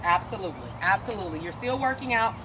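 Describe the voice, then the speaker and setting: A woman's voice: mid-range voice, lively intonation, quick pace, noisy background. A woman coach interviewing and giving an emphatic, encouraging pep talk, repeating phrases for emphasis.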